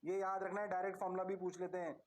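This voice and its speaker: A man's voice: high voice, monotone, very fast, roomy sound. A male physics teacher giving a lecture, coaxing and often checking whether his students have understood. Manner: coaxing, keeps asking if it is clear. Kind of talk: classroom lecture.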